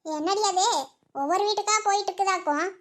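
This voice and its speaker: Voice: very high voice, fast, a bit bright. A voice actor playing a bossy, scolding old village mother-in-law in a cartoon. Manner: scolding, nagging. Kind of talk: cartoon voice acting.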